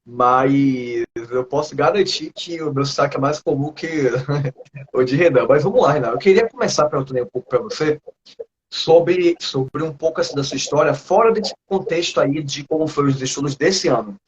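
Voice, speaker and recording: A man with a Northeastern Brazilian accent, a teacher interviewing a student over a video call, talking in a relaxed, chatty way and laughing often. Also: a little high, normal speed, dull audio, slight background noise.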